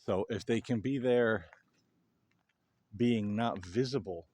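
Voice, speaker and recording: A man's voice: fairly low pitch, slow, darkish tone. A man speaking casually and explanatorily to viewers as the host of a paranormal show.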